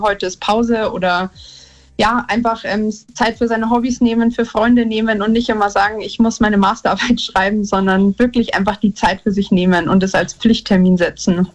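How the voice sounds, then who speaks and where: Young woman calling in on a dull line. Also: a little high. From Upper Bavaria, Germany. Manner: friendly, laughs lightly, hesitant fillers. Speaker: caller. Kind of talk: phone-in conversation. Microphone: phone. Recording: slightly dull phone-in line.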